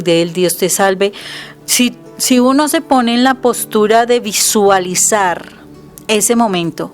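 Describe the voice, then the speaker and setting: A middle-aged Colombian woman, a Catholic missionary co-hosting, who explains prayer in an earnest, emphatic way and quotes scripture aloud. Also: medium pitch. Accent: Colombian Spanish. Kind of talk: conversational religious teaching.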